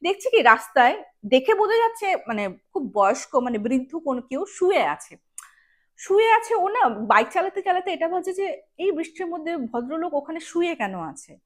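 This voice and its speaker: A woman's voice: extremely high pitch, big pitch swings, normal speed. A woman hosting and casually retelling listeners' ghost stories in a chatty way, mixing in English words. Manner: chatty, mixes English words into speech, acts out quoted dialogue. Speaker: host and storyteller of a ghost story show.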